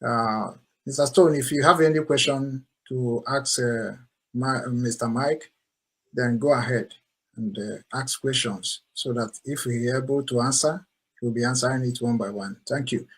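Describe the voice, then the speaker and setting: A man's voice: mid-range voice, normal speed, fairly bright tone, husky. Polite male host of an online call. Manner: polite, repeats thanks, nonnative phrasing.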